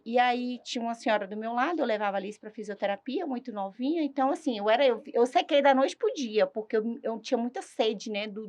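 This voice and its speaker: A woman giving a personal faith testimony as a talk show guest, in an animated storytelling manner that reenacts dialogue. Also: a little high.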